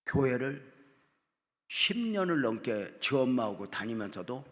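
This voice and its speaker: A man, an older retired pastor, tells stories in an early-morning revival sermon. His voice drops to a hush and then rises loud, and he acts out the people he quotes. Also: mid-range voice, sing-song, measured pace. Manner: storytelling preacher, swings from hushed to loud, acts out quotes. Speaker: guest revival preacher. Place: church sanctuary. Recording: church sanctuary with long reverb.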